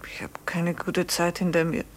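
An actress in a German radio play, playing an innkeeper's anxious, weary wife who speaks in a halting, brittle way. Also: female voice, on the low side, completely flat delivery, slight background noise, natural voice. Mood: haunted, hushed.

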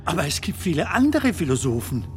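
An actor playing an elderly English comedian in a radio play, nervous, polite and chatty, with a hesitant, questioning manner. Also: male voice, a little high, sing-song, fairly quick, faint music behind. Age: 70s.

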